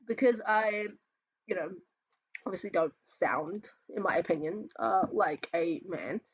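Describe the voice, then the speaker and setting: An Australian trans man with a high, feminine-sounding voice hosts a reaction video, speaking unhurriedly with a breathy edge on a muffled recording. He rants casually about memes, swearing often and rambling between sighs and laughs.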